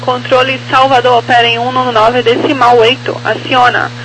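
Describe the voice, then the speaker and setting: A Brazilian man working as an air traffic controller, giving procedural clearances in clipped phrases over aviation radio. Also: very high-pitched, little pitch movement, normal speed. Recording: faintly noisy radio transmission with hum.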